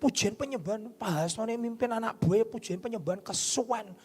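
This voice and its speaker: A man preaching a sermon, moving from hushed lines to shouted ones. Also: high-pitched, brisk. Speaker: pastor. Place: church stage.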